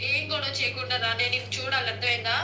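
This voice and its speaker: A woman with a very high, bright voice speaks on a private phone call. She pleads and insists at a rapid pace. The call recording is echoey. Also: little pitch movement, slight background noise.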